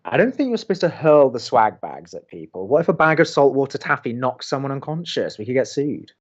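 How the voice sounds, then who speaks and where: A man's voice: mid-range voice, very animated, a little fast, slightly rough, muffled recording. A man playing a sardonic, protective young college radio co-host in an audio drama, with a dry, sarcastic manner. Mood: amused, dry.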